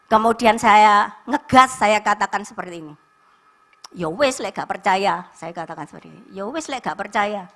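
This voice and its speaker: A woman's voice: mid-range voice, fairly bright tone. A woman pastor preaching a sermon at a church service, earnest and rising to fervent exhortation, telling stories with quoted dialogue.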